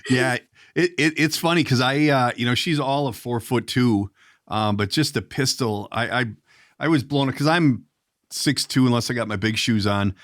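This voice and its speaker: A man's voice: mid-range voice, moderate pace, a bit bright, no room sound, clean studio sound. A man hosting a podcast in a casual interview style, rambling and often restarting his sentences as he goes. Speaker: podcast host.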